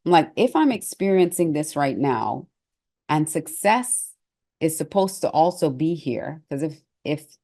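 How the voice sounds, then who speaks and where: A woman's voice: low voice, lively intonation, measured pace, mellow. A middle-aged woman giving an earnest, conversational motivational talk as a success coach, with hesitant restarts.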